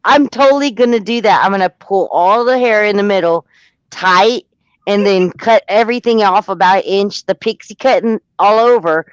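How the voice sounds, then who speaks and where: A woman's voice: mid-range voice, normal speed, clear, resonant tone, no room sound. A woman from Texas, chatting on a livestream and rambling through her thoughts with restarts. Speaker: caller on a livestream. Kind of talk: casual chat. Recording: muffled lo-fi stream audio.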